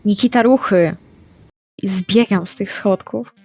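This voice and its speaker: A woman playing a tabletop game, stating her character's actions in a brisk, practical way. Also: mid-range voice, a little mellow, husky. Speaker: player. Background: faint background music.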